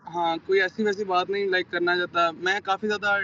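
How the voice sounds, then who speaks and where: A man with a sore throat, talking in an earnest and eager way as a singing hopeful. His voice sits high and sounds sharp and forward, and he drops English fillers into nearly every line. The remote line is dull and lo-fi with a faint hiss. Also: level tone, a little fast. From Pakistan. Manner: earnest, peppered with "like" and English words. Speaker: aspiring singer guest. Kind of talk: casual chat on a TV morning show. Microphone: remote link.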